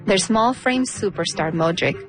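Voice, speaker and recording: A woman's voice: medium pitch, lively intonation, moderate pace, soft background music. Woman narrating a reflective personal essay. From United States. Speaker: radio feature narrator.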